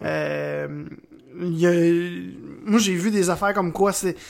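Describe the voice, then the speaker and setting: A man in a Quebec accent. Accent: Québécois French. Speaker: sports podcast host. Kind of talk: casual chat. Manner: animated.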